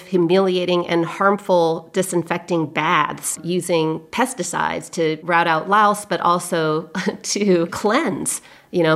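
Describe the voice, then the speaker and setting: An American woman, a historian being interviewed, answering thoughtfully with measured, deliberate, halting phrasing. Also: fairly low pitch.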